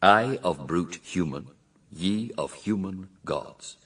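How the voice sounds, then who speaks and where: A deep serpent tempter in a verse radio drama, sly and grandiose. He speaks with husky texture and theatrical passion, swooping widely in pitch. The sound sits a little off the microphone. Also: expressive, slow, fairly bright tone, recorded from a distance, exaggerated voice. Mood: sly, reasoning. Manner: theatrical, impassioned, rhetorical questioning.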